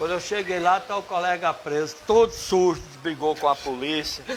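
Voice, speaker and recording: With noticeable background noise behind him, a high-pitched man talks at a moderate pace, his pitch varying in an ordinary way. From Brazil, Natal (Rio Grande do Norte). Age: 80s+. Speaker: retired doctor and storyteller guest. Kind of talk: casual interview chat before live audience. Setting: bar with audience, live streamed.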